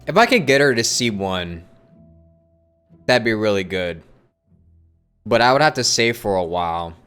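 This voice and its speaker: Game music plays as this streamer rambles through casual chat while playing, thinking aloud and repeating his phrases. He speaks at a moderate pace in a low, sing-song voice that's clean and fairly bright.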